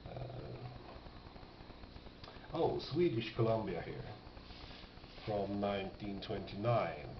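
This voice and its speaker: A man talks slowly and informally, as if thinking aloud while showing off a collection. He often puts questions to himself as he goes. The sound is dull and lo-fi, with a clearly echoing room around him. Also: lowish voice, expressive. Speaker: record collector presenting finds. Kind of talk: casual off-the-cuff show-and-tell commentary. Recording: dull lo-fi, noisy, roomy sound.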